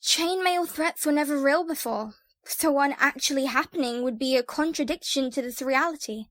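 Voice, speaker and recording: A woman's voice: sits high, moderate pace, fairly bright tone, dry recording. A woman playing a sceptical, analytical young adventurer in an audio drama, questioning and reasoning things out. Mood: sceptical, thoughtful.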